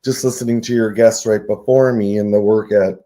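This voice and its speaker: An older man talks in a mellow, somewhat low voice. He speaks as a guest on a radio talk show, reflective and earnest, often tagging his points with "right?". His tone is dark and relaxed rather than bright. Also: a little fast. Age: 60s. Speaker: nonprofit CEO, guest. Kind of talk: casual radio interview.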